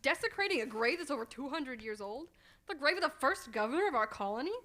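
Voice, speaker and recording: A woman's voice: high-pitched, expressive, fast, sharp tone. A woman playing a plain-spoken New England villager in an old-time radio drama, folksy and easily startled. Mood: puzzled, indignant.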